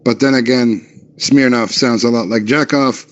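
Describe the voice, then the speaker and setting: A man's voice: medium pitch, fairly even intonation, moderate pace, lightly acted. A man voicing a boastful, pompous man who speaks with mock-polite formality, on muffled lo-fi audio.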